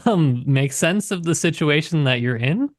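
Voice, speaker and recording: A man's voice: a little high, lively intonation, a little slow, dry recording, clean studio sound. A man co-hosting a podcast, casually discussing literature and tentatively thinking aloud as he goes. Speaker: podcast co-host.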